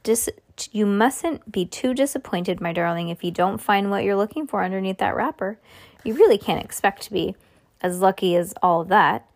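A woman voicing a gentle, worried mother of a poor boy in a storybook reading. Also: medium pitch, expressive, normal speed, close to an everyday voice. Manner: soft, consoling.

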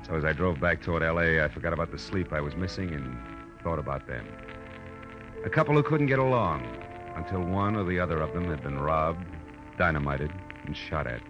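An actor playing a weary, wry, hard-boiled private detective with an American accent in 1940s radio drama. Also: male voice, extremely low pitch, a little fast. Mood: tired, reflective. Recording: dull vintage radio recording with music.

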